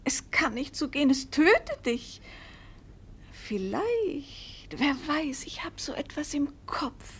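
High, slow, anxious motherly governess. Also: very animated, full character voice. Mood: distressed, conspiratorial. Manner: theatrical, halting, emotional. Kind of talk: classic German radio play acting.

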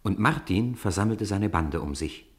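Low, animated male storyteller. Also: normal speed. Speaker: narrator. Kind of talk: scripted children's audio drama narration.

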